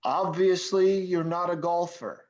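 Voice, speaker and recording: A man's voice: high-pitched, fairly even intonation, measured pace, a little mellow. A man playing a laid-back but indignant stoner slacker, hesitant and slangy, in a table read. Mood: wry. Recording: dull, muffled online-call audio.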